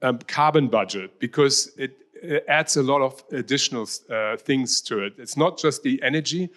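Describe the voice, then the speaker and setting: This is a university researcher in his fifties, speaking with a German accent as he presents a talk with slides. His voice is medium in pitch with a fairly bright tone, and he fills pauses with many ums and keeps restarting phrases.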